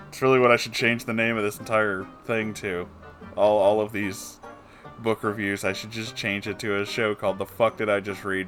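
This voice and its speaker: A man hosting a bad-story reading show, talking casually to viewers in a theatrical, wry, self-deprecating way with some swearing. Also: on the low side. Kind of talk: casual rambling talk to viewers. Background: plucked guitar music.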